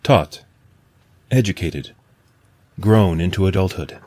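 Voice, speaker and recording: A wistful male android, as an actor plays him, low and soft-spoken with a reflective, searching way of talking. The voice sits deep, like a character from a retro science fiction radio play. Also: expressive, slow, dry recording, full character voice. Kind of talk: radio drama acting.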